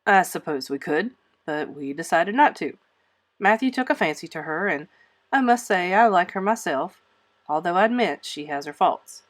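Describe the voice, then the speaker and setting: A woman's voice: lowish voice, lively intonation, moderate pace, lightly acted. A woman voicing a stern, resolute older spinster in a storybook, dry and matter-of-fact. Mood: frank, composed.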